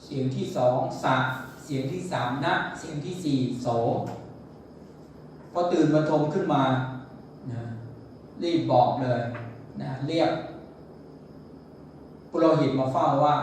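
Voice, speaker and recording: Buddhist monk preaching in an echoey hall. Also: male voice, unhurried, pauses often, darkish tone, a little hiss or hum. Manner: storytelling, quotes figures with shifts in pitch. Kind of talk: sermon. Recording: echoey hall, mic far off.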